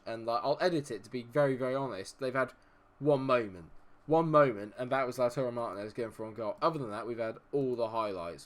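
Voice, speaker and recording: A man with a slight cold, nasal as he casually commentates on a football management game, exasperated and talking at his players. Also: mid-range voice. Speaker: gaming video host.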